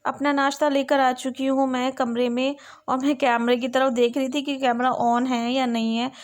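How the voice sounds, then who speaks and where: A woman's voice: high-pitched, flat delivery, normal speed. A young woman chatting casually to her viewers in a home vlog while she cooks and sits with her child, speaking through a camera set on a stand. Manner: chatty, talks to viewers directly. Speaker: vlogger. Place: home kitchen and bedroom.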